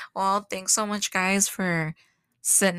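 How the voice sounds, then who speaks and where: On a very clean recording with a silent background, a voice with an American accent and a bright, sharp tone speaks fairly slowly with fairly even intonation. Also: woman. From Texas. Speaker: podcast co-host. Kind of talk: casual chat. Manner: casual, joking.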